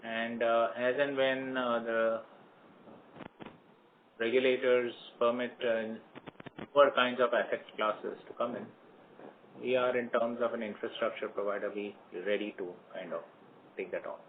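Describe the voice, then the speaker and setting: A man with an Indian accent answering as a company executive on an earnings call, in a guarded, halting, formal way. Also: mid-range voice, level tone. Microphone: telephone conference call. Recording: phone line with background hiss.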